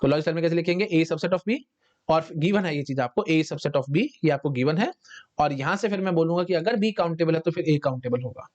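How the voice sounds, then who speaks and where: A man teaching a recorded math lecture in mixed Hindi and English. He keeps checking in with his students and dictates definitions slowly, word by word. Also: on the high side, a little mellow. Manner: repetitive, checks in with "है ना?" and "ठीक है". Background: dogs barking outside.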